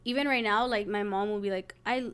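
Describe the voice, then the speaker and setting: A woman's voice: mid-range voice, fairly even intonation, brisk, a bit bright, smooth. A young woman with a Latina American English accent, co-hosting a podcast in casual, candid chat, swearing freely and using many fillers. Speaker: podcast co-host.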